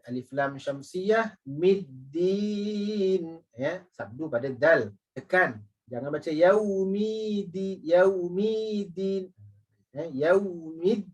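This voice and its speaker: A man leads a recitation class, stretching the verses out slowly and stopping to correct each slip. His voice is slightly husky and sits a little away from the mic. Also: on the high side, expressive, fairly bright tone, lo-fi sound. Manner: drills phrases slowly, repeating and correcting. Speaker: Quran recitation teacher. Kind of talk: tajwid lesson, correcting recitation. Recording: voice distant from the mic.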